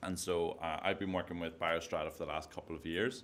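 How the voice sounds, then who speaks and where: A man with a Belfast accent speaks in a very deep, low voice with fairly even intonation. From Northern Ireland, Belfast. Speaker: marketing software account manager. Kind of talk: conference talk.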